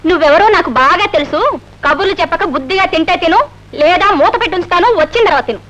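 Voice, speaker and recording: An actress playing a caring but scolding young sister in an old film scene. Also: female voice, very high voice, background noise. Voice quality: scolding, quick-witted. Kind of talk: 1970s Telugu film acting. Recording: old film soundtrack with music.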